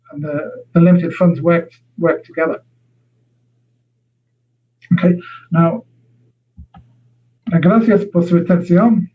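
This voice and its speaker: A man with a fairly high voice delivers an online seminar presentation. He speaks in a measured way with frequent uh fillers. The sound comes through thin and phone-like. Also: slightly rough. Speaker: guest speaker. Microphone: video call. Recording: tinny phone-like audio.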